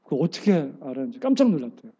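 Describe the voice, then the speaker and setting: A man's voice: a little high, sing-song, very fast, dark tone, slightly rough, dull audio. A male pastor preaching a sermon, telling stories and building to earnest appeals to the congregation. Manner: storytelling preacher, rises to fervent appeals.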